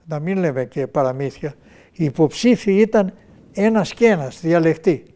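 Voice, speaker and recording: Lively older storyteller man, high voice. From Macedonia, Greece. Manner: lively, acts out past dialogue with shifting voices. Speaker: retired heart surgeon interviewee. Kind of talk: reminiscing storytelling.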